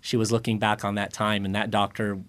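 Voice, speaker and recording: Lowish-voiced man from Lebanon in his forties. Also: completely flat delivery, a little fast, dry recording. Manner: earnest storyteller with light laughs and fillers. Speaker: radio guest, publishing president. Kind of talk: radio interview. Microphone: studio microphone.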